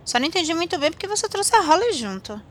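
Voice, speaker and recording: Uma mulher interpretando a esposa carinhosa e levemente provocadora de um capitão, em audiodrama. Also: female voice, very high voice, very animated, quick pace. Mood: affectionate, puzzled. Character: captain's affectionate wife, gently teasing. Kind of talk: audio drama dialogue.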